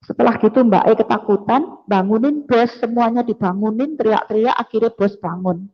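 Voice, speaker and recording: A woman giving an animated church testimony, acting out sounds and often turning to her listeners. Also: on the high side, normal speed. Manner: animated storytelling with sound effects, calls the audience "brothers and sisters". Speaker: testimony giver. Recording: echoey hall, dull lo-fi sound.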